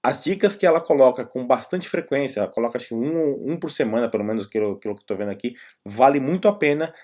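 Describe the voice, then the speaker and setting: Speaking fast and expressively, this man has a medium-pitched, somewhat dark voice and a Brazilian Portuguese accent. He chats like a vlogger, explaining and recommending things in a loose, rambling way full of asides.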